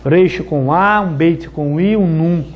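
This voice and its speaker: A man's voice: fairly high pitch, lo-fi sound. A man teaching a classroom lesson, who repeats each word and ends his phrases with "né?" and "tá?". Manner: slow and deliberate, repeating words and ending with "né?" and "tá?". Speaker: Hebrew teacher. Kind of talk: classroom lecture.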